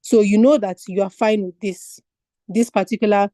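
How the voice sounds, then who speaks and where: A woman's voice: mid-range voice, fairly even intonation, moderate pace, warm tone, no room sound, clean studio sound. A woman from Nigeria teaching an online finance exam lesson, explaining step by step and asking her class rhetorical questions. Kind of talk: online lecture.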